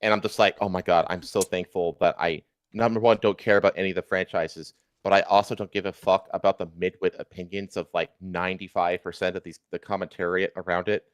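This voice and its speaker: A man with a fairly low voice, recorded dry and close to the ear. He rants casually like a livestream host, swearing often and repeating himself for emphasis. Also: level tone, fairly quick, clean tone, no room sound. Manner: profane, emphatic, repetitive. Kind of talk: casual ranting chat.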